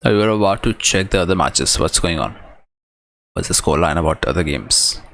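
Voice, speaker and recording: A man with a very low-pitched voice and a South Asian accent hosts a live football stream. He calls the play in short, clipped fragments, mixing commentary with casual watch-along remarks. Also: lively intonation, fairly quick, creaky, fairly bright tone.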